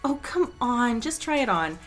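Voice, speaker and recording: Breezy teasing young friend, rather high voice, very lively intonation, casual, audio drama. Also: female voice, measured pace, faint music behind. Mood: coaxing.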